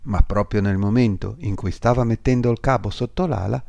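Low-voiced man reading a fairy tale. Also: vocal fry, warm tone, no room sound. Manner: measured storytelling. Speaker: narrator.

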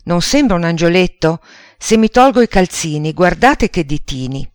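A man voicing a vain, plump old aunt in a storybook reading, loud and boastful. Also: high-pitched, sing-song, moderate pace, clear, resonant tone, no echo, clean studio sound. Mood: vain boasting. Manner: boastful and shouting.

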